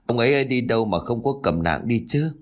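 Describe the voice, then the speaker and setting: A man's voice: mid-range voice, expressive, brisk, lightly acted. A man voicing a worried elderly village wife and mother who frets and scolds. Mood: anxious. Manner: fretful, scolding.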